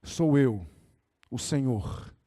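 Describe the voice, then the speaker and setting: A man voicing God as a calm, deep figure speaking slowly and solemnly from above. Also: in a large hall. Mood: calm, testing. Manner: slow, measured, solemn.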